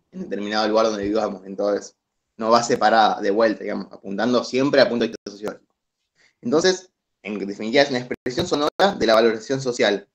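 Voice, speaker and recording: A young man with an Argentine accent explaining a reading to classmates over a video call, hesitant, with many fillers and restarts. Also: medium pitch. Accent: Argentine Spanish. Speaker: student presenter. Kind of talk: online study session explanation. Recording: dull lo-fi video call audio.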